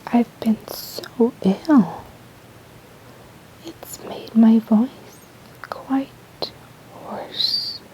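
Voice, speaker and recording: A woman's voice: fairly high pitch, drawn-out words, long pauses, a little mellow, rough recording. A woman whispering as a sly wolf posing as granny. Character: cunning male wolf posing as a sick granny. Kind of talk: ASMR storybook reading.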